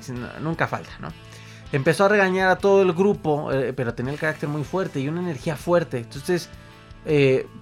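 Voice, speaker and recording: A young man with a Mexican accent telling an emotional personal story to an audience, animated and repeating words for emphasis. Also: on the high side.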